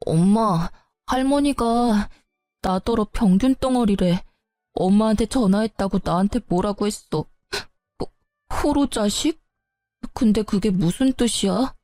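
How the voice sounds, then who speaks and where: A small boy, hurt and hungry, asking plaintive, innocent questions, as a woman acts him out. The voice is mellow and soft, recorded close and dry. It comes from a storybook-style tale. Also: mid-range voice, unhurried, no room sound, natural voice. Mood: confused. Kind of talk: storybook voice acting.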